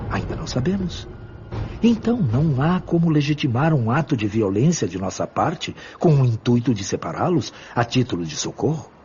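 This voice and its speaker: An actor playing a wise, benevolent spiritual mentor in a radio drama, speaking in a measured, formal, teaching manner. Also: male voice, medium pitch, mellow, breathy edge, highs cut off.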